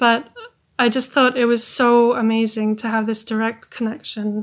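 In an Icelandic accent, a woman speaks at a moderate pace in a fairly high pitch on a very clean recording with a silent background. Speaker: author and historian. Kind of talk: interview. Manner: hesitant, many fillers.

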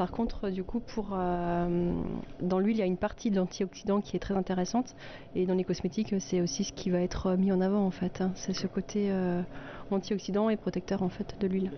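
A woman with a medium pitch speaks in a monotone, flat intonation at very even loudness. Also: moderate pace. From Munster valley, Alsace, France. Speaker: apple grower and oil producer. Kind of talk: casual chat. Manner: halting.

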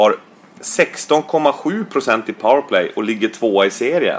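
A man speaks at a fairly high pitch with very wide pitch swings, over noticeable background noise. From Norrland, Sweden. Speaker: hockey expert. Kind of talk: casual chat.

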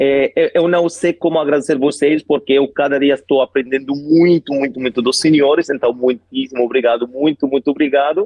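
At a moderate pace with hardly any pauses, a man keeps very even loudness and fairly even intonation at a fairly high pitch. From Egypt. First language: Arabic (speaking Portuguese). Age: 30s. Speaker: language learner. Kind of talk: casual chat.

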